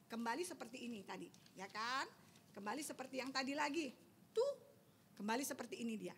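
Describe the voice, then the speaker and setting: A woman's voice: fairly high pitch, fairly quick, a little hiss or hum. A young woman, telling a Bible story to children as a Sunday school teacher and quizzing them as she goes. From Indonesia. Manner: lively, keeps quizzing the children.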